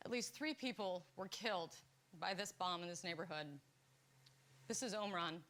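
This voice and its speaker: A woman delivering a broadcast news report in a measured, solemn way. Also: fairly low pitch, a bit bright.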